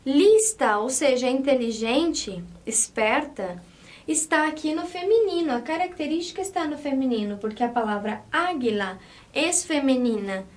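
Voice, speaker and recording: A woman's voice: sits high, animated, normal speed. A woman teaching a language lesson, explaining patiently step by step, switching between two languages and checking that students follow. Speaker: Spanish teacher.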